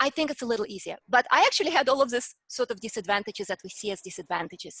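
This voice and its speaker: A woman with a strong non-native accent talks at a very fast pace and a high pitch, her voice bright and sharp in tone. The pitch swings very widely, loudness rises and falls sharply, and the sound is dry and close with no echo. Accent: strong foreign. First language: not English. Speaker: speaking coach. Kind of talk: interview.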